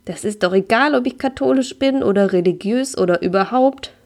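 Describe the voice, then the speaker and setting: A woman's voice: on the high side, brisk, a little mellow, pitched above the performer's own voice, natural voice. A woman reading the lines of a very old, loving Catholic grandmother who earnestly insists on her point. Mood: indignant. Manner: earnest, shaking her head as she insists.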